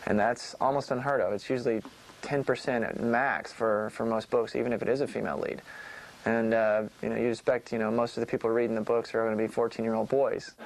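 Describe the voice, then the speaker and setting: A man's voice: medium pitch, little pitch movement, brisk, creaky, rough recording. A man who works as a comic book artist, talking casually and hesitantly in a documentary interview. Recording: faint music under the voice.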